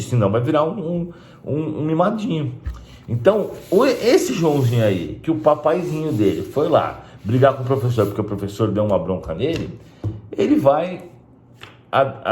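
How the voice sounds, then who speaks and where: A man's voice: medium pitch, big pitch swings, normal speed, a little mellow, a little hiss or hum. Blunt, emphatic man. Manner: blunt and emphatic, with frequent "né?" asides. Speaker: spiritist video host. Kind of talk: casual talk to camera. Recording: roomy echo.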